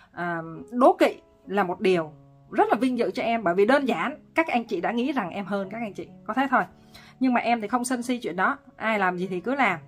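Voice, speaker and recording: A woman relationship counselor with a medium-pitched voice gives casual advice, speaking with lively emphasis and laughing often.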